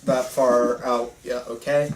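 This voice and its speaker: A man's voice: mid-range voice, flat delivery, slow pace, darkish tone. A man reading casual dialogue in an amateur table read. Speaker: table read participant playing a young filmmaker. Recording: echoey room, distant mic, faint noise.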